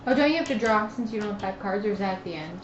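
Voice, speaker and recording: A woman of middle pitch chats over a tabletop game, prompting the others with questions. The sound is dull and roomy with clear background noise. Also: expressive, rapid-fire. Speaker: player on a live tabletop stream. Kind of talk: casual chat over a board game. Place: room around a game table. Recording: muffled, noisy, echoey room recording.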